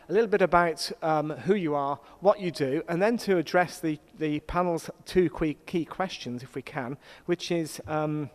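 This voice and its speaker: A middle-aged man moderating a conference panel, explaining things in a measured, storytelling way to introduce the discussion. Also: a little high. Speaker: panel moderator, senior university academic. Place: conference hall. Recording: echoey hall with long reverb.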